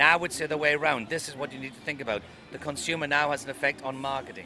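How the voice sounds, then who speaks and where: The delivery is very fast, with fairly even intonation. Noticeable background noise sits behind the speech. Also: man, fairly high pitch for a man. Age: 60s. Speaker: marketing executive, search industry veteran. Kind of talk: interview. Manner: halting.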